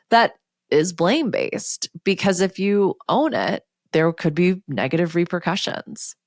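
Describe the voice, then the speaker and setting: A woman hosting a solo podcast, speaking in a candid, conversational way with the odd curse word and quick put-on voices for other people. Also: on the low side, no room sound, clean studio sound. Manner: candid, conversational, occasionally profane. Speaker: podcast host and coach. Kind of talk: casual solo podcast talk.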